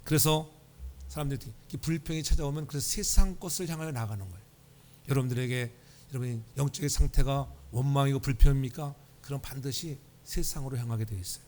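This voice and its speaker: Speaking fast in a mid-range, slightly mellow voice, a pastor tells funny stories during his Sunday sermon and calls on the congregation for responses. The church sanctuary recording carries slight background noise.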